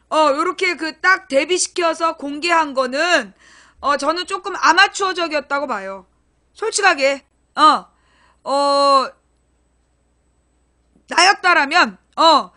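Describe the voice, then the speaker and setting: A woman's voice: very high voice, pushed and bright. A middle-aged woman hosting a casual political livestream, talking animatedly with many fillers and acting out quoted lines.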